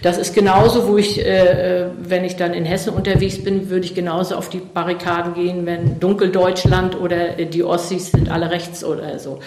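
Low-voiced woman, hesitant interviewee. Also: level tone, brisk, few pauses, a little mellow, roomy sound. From East Germany. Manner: hesitant, many fillers and restarts. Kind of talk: reflective interview answers.

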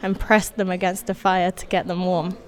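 A woman's voice: fairly low pitch, little pitch movement, moderate pace. Woman telling her childhood story, wry. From Indonesia. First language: Indonesian. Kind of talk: personal storytelling.

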